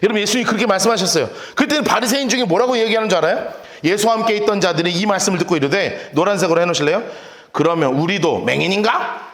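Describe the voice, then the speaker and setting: A male pastor preaching a sermon, telling the story with animated acted voices and sound effects. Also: high-pitched, racing. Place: church sanctuary. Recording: echoey church sanctuary.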